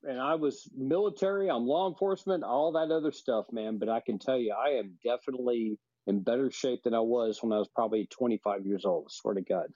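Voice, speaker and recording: A man's voice: mid-range voice, brisk, hardly any pauses, warm tone, no echo. Assertive man in his fifties, lo-fi audio. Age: 50s. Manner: assertive, repeats affirmations. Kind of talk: casual chat.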